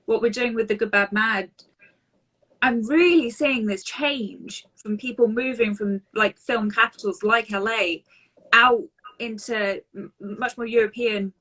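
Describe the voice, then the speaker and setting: A woman's voice: on the high side, unhurried, sharp tone, poor audio. A woman hosting an interview who asks her questions hesitantly, with many ums and restarts. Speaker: interview host. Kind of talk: casual interview chat.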